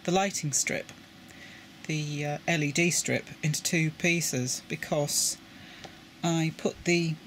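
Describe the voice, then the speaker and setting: British man giving a halting hobby tutorial. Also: a little high, fairly even intonation, a bit bright, a little hiss or hum. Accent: British English. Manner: halting, repeats words while handling parts. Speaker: model railway hobbyist. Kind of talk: casual hands-on tutorial. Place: indoors at a table with a model railway.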